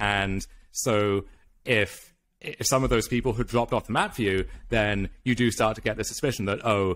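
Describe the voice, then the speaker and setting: In a very clean recording with a silent background, a man with a British accent speaks at a moderate pace in a fairly low voice with fairly even intonation. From UK. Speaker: pro gamer and content creator. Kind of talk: interview conversation. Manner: halting, frequent restarts.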